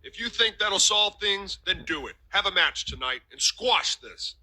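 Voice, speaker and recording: A man's voice: sits high, animated, measured pace, pushed and bright, no echo, heavily acted, low-quality recording. A man voicing a wrestling champion in a game cutscene, talking in a firm, no-nonsense way to settle a quarrel. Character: male wrestling champion, calm team mediator. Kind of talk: video game cutscene dialogue.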